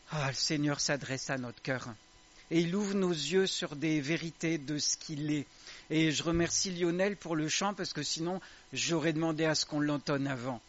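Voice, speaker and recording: A man gives a casual, confiding sermon, turning often to his listeners with direct questions. His voice sits somewhat high for a man. The recording is dull and lo-fi, as if captured in a church hall. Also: fairly bright tone. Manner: conversational, confiding, addresses the congregation directly. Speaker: preacher.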